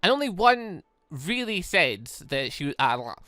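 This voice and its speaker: Bright, cheerful robot girl, as a gamer reads her. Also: medium pitch, big pitch swings, takes it slowly, no echo, soft background music, full character voice. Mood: cheerful, earnest. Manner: chirpy, formal wording. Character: cheerful, earnest, precise robot girl in a visual novel. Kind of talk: reading game dialogue aloud.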